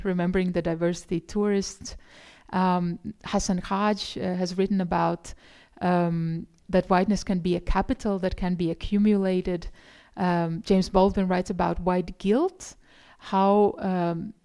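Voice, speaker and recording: Creaky, mellow woman lecturing. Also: medium pitch. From Eastern Europe. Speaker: academic keynote speaker. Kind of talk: conference lecture, explanatory and reflective. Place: indoor conference room, presenting in front of slides.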